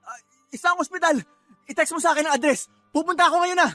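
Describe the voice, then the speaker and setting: A man playing a hurt, soft-hearted groom in an emotional radio romance drama. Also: extremely high pitch, quick pace, soft background music. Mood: alarmed. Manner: earnest, emotional.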